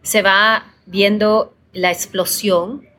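A woman's voice: mid-range voice, steady tone, extremely slow, sharp tone. A woman from El Salvador, a podcast producer, talking as a guest in a conversational interview, thoughtful and often checking in with the listener. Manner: thoughtful, repeats words, frequent tag questions.

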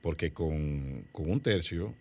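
A talk-show host with a very low, deep voice. He chimes in with short agreements and then builds his own examples into the conversation. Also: expressive, takes it slowly, creaky, a little mellow. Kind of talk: studio discussion.

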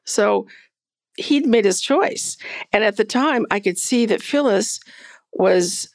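A woman guest in an interview, telling a lively, candid story with frequent laughter. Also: mid-range voice, takes it slowly, gravelly, dry recording.

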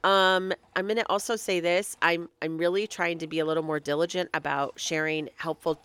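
Woman podcast host, low and smooth voice with a nasal, crackly edge from a cold, chatty delivery. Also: steady tone, a little fast, a bit bright. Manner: chatty, reads lists of dates aloud. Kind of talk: casual solo podcast talk.

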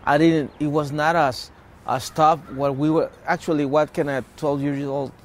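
Halting man. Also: fairly high pitch, little pitch movement, a little hiss or hum. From Mexico-California border region. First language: Spanish. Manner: halting, with many restarts and repeated words. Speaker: activist guest. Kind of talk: personal storytelling in conversation.

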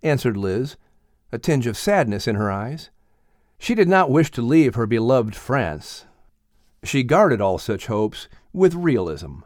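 A male audiobook narrator telling a children's story. His pitch is mid-range and moves a great deal as he reads, and the recording is close and dry. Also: big pitch swings, unhurried, a little mellow, dry recording.

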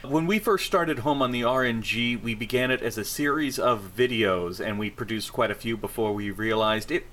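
A man's voice: medium pitch, normal speed, hardly any pauses, roomy sound, far from the mic, low-quality recording. A man co-hosting a podcast about video games, talking casually with fillers and restarts. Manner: relaxed, rambling with fillers and restarts. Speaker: podcast co-host. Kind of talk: casual gaming chat.

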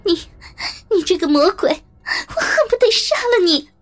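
A woman's voice: very high-pitched, big pitch swings, measured pace, voice pushed up, heavily acted. A woman narrator voicing a frightened and angry young woman in a spoken story, with tense, outraged outbursts. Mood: furious tearful.

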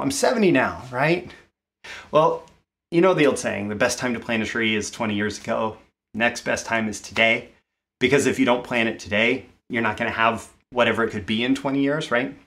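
A man's voice: mid-range voice, fairly bright tone. A man hosting a daily show, talking casually about saving money and often repeating phrases for emphasis. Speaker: show host. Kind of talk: casual solo talk to camera about money.

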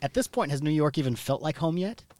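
A man's voice: on the high side, expressive, quick pace, darkish tone, dry recording. A man hosting a podcast, asking rambling questions in a casual chat and laughing easily. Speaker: podcast host.

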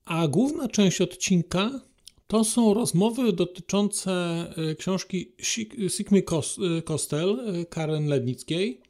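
Slow-talking, higher-pitched male podcast host. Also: a little mellow. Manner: formal, polite address. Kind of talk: spoken podcast monologue addressed to listeners.

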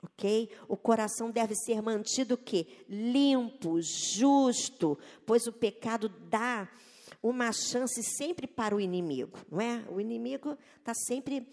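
A woman delivers a sermon in a fairly high voice. She speaks slowly and stresses her points earnestly, often putting rhetorical questions to her listeners. Her voice rings out with a long reverb, as in a large hall. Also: darkish tone. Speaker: preacher.

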